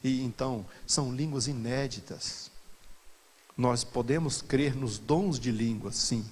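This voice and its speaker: A pastor leading a Bible study sermon to a congregation, swinging from quiet asides to loud, animated exclamations. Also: male voice, medium pitch, measured pace, slightly rough, long reverb tail.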